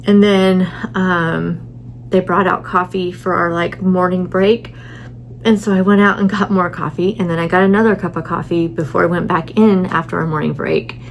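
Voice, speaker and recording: Tired, rambling middle-aged woman, gravelly. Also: on the low side, fairly even intonation, moderate pace, a little hiss or hum. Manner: rambling, lots of fillers and restarts. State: tired and stuffy. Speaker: vlogger. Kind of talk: casual chatty vlog. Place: hotel room.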